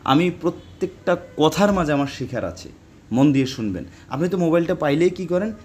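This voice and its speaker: A man teaching Arabic phrases in a casual spoken lesson, repeating words slowly and lecturing his viewers. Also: fairly high pitch, expressive, slightly rough.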